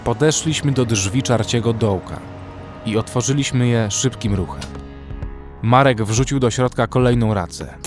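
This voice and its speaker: Over a music bed, a man narrates a horror audio drama as a tired, armed survivor of a frozen zombie apocalypse, speaking in the first person. His medium-pitched voice moves at normal speed and stays close to everyday speech, with a grim, measured mood.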